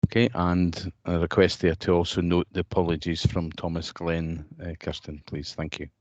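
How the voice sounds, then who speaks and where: A man's voice: deep voice, level tone, normal speed, darkish tone, dry recording, muffled recording. A man chairing an online meeting, hesitant with many fillers and restarts.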